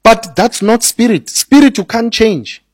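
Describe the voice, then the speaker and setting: A man's voice: extremely high pitch, measured pace, darkish tone, no room sound, studio quality. A man speaking as a radio guest, teaching earnestly about spirit and religion, often repeating words as he builds a point and slipping into Zulu.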